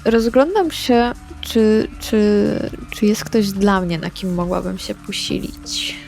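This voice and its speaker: A woman's voice: medium pitch, slow, vocal fry, a little mellow, faint music behind. A woman playing a tabletop role-playing game, casually describing what her character does.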